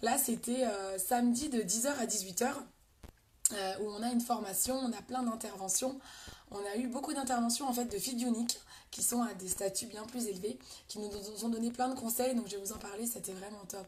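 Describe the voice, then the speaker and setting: A woman's fairly high voice at a fairly quick pace, fairly even in intonation, with audible room echo. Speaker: beauty vlogger and makeup seller. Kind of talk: casual live stream chat. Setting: live stream on tablet. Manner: not loud, cannot speak loudly; chatty, greeting viewers often.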